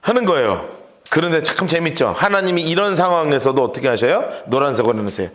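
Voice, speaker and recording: A pastor leading a lively Bible study lecture, acting out scenes and shouting the quotes. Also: male voice, on the high side, quick pace, roomy sound. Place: church hall.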